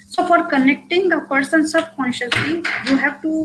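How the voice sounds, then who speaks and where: A woman's raised, projected voice at a moderate pace. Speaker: mediator presenting a webinar talk. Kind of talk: lecture.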